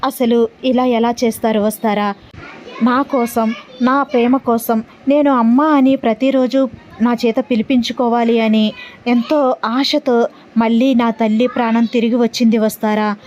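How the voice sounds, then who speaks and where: A woman's voice: fairly high pitch, fairly even intonation, unhurried, darkish tone, a little hiss or hum, lightly acted. A woman reading the lines of a grieving, bitter young man in a storybook tale.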